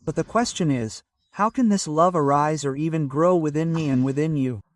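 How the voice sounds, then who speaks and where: A pastor preaching a sermon in a measured way, citing scripture as he goes. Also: fairly high pitch, no echo, studio quality, distant mic.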